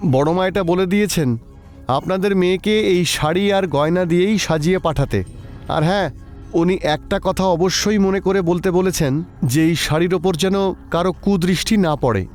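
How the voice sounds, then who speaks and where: পুরুষের অভিনয়ে চড়া গলার কর্তব্যপরায়ণ ভৃত্য, পেছনে সংগীত. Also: male voice, high-pitched, normal speed, a little mellow, faint music behind, voice pushed up, lightly acted. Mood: earnest, cautioning. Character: dutiful household servant delivering wedding gifts and warnings. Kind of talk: audio horror story dialogue.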